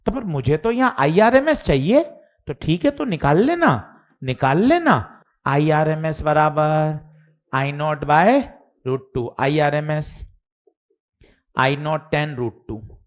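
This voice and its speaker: A man teaching physics in a live online class, explaining slowly and deliberately and acting out his students' questions. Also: on the high side, expressive. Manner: addresses students informally, mimics their questions.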